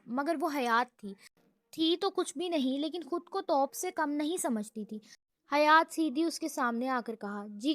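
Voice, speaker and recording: A woman reads a romantic comedy novel in a dramatic, expressive manner. Her voice is high. The recording is close and dry, with no room sound. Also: dry recording. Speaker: novel narrator. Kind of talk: storybook narration.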